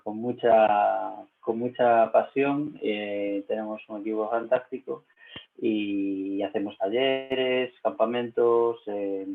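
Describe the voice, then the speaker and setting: A man with a Spanish accent from Spain moderating an online panel, talking casually with many hesitant filler sounds. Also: fairly low pitch. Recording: tinny phone-like audio.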